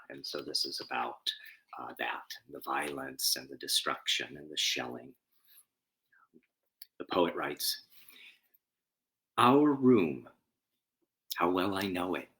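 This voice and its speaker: A man with a very deep voice speaks at a very slow pace. He has the reflective, halting delivery of a minister introducing and reading a poem. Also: gravelly, fairly bright tone. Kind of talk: informal spoken introduction and poetry reading.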